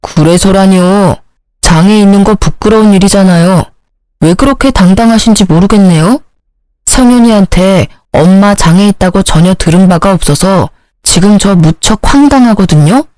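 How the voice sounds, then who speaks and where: A woman's voice: mid-range voice, normal speed, darkish tone, dry recording, lightly acted. Woman voicing a sneering, insulting boyfriend. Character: rude arrogant young man, the boyfriend.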